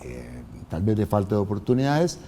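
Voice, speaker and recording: A man in his seventies from Costa Rica, answering interview questions in a calm, measured way. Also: on the low side. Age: 70s. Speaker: guest.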